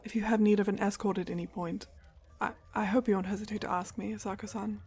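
A man's voice: high-pitched, level tone, quick pace, darkish tone, slightly rough, voice pushed up. A man voicing a polite, earnest woman samurai who stumbles a little in her haste.

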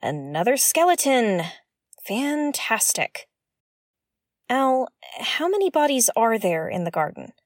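A woman's voice: a little high, very animated, slow pace, no echo, studio quality. A woman playing a wary, wry investigator aboard a derelict spaceship in an audio drama, speaking hesitantly. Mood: dry, wary. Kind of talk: naturalistic audio drama acting.

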